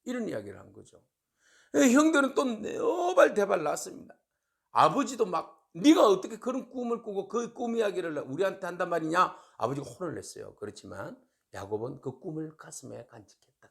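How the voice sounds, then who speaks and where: A male pastor giving a short daily Bible-reading sermon, retelling the story with animated rhetorical questions. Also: sits high, gravelly.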